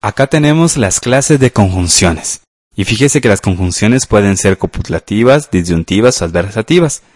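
Man, radio grammar lesson, patient step-by-step teaching, lively intonation, dry close sound. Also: on the low side, dry recording. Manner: patient, walks through exercises step by step with "ajá" and "¿verdad?".

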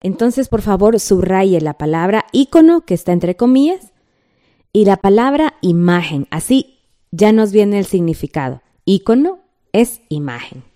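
A woman's voice: mid-range voice, animated, normal speed, mellow. A woman with a Guatemalan accent teaching a textbook lesson, patient and checking in often with the listener.

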